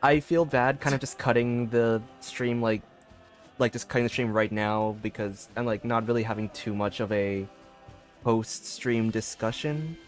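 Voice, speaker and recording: A man chats as he livestreams a game. His voice sits at a middle pitch, and he rambles casually and hesitantly over faint background music. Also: unhurried. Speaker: game streamer.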